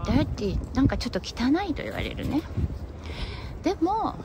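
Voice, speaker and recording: A woman's voice: high-pitched, sing-song, normal speed. A Japanese woman hosting a casual live-stream walk through city streets, switching between English and Japanese and answering viewers' chat. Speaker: live-stream walking host. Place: city streets outdoors, windy. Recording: loud wind and street noise.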